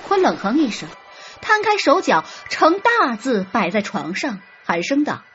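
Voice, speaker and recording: A woman with a high voice narrates a romance audiobook in the first person, very animated yet unhurried and expressive. The audio sounds slightly dull, with soft music underneath.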